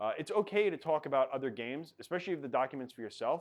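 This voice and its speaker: A man with a New York accent talks at a very fast pace in a fairly high pitch. His pitch swings very widely against a quiet background. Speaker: game developer. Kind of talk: conference talk. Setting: stage with audience.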